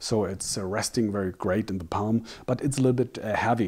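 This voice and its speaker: A man with a non-native accent speaks in a dark, mellow tone at a medium pitch. His pitch varies in an ordinary way. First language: not English. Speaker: tech reviewer. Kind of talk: product review. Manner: halting, many fillers.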